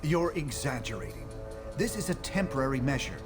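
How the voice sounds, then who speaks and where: An actor playing a brainy scientist superhero in a video game, formal and precise, reasoning in a placating way. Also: male voice, mid-range voice, sing-song, a little fast, close to an everyday voice. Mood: earnest persuasion. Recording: music under voice.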